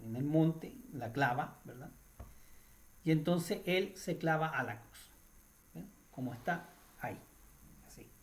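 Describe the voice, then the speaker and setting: A man hosting a Catholic radio program, retelling a story in a chatty teaching style, often tacking "right?" onto his sentences and restarting phrases. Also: mid-range voice. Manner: adds tag questions like "right?", with restarts.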